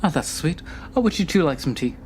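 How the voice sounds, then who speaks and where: A woman's voice: low-pitched, very animated, a little fast, darkish tone, slight background noise. A woman voicing a brusque but hospitable punk woman in a tabletop game, with a teasing, bossy, folksy manner. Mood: curious, hospitable. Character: brusque, hospitable young punk woman running a back-alley hideout. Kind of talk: tabletop roleplay.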